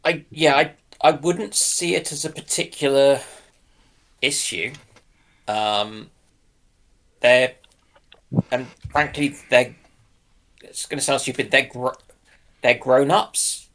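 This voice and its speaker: Slow, halting man in casual discussion. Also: mid-range voice, fairly bright tone, poor audio. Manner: halting, tentative delivery. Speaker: panel guest.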